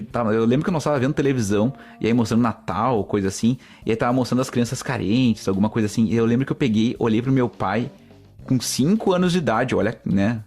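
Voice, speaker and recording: With a lowish, slightly mellow voice, a Brazilian man runs a solo podcast of casual storytelling. He wanders chattily from point to point, talking right to his listeners and often saying "gente".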